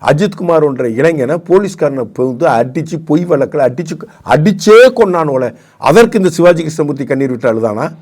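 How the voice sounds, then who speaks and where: Male political pundit, fairly high voice, hammers rhetorical questions in a heated debate. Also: expressive, brisk, a little mellow. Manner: combative, repeats rhetorical questions, frequent self-restarts. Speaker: political commentator.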